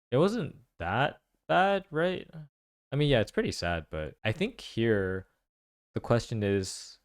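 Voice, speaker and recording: A man giving casual reaction commentary, thinking aloud in halting phrases. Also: on the low side, dry recording, clean studio sound. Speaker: video commentator.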